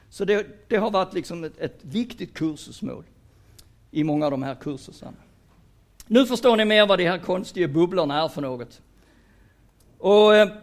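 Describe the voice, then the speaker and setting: A retired man in his sixties from Sweden, giving a lecture on career guidance and mixing Danish words into his Swedish in an animated, playful way. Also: sits high. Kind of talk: lecture to an audience.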